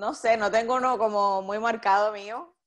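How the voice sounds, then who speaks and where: The background stays quiet. A woman talks fairly slowly. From Cuba, Camagüey province (rural); Cuba. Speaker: singer; interviewee. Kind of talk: interview. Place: home room. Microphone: earbuds.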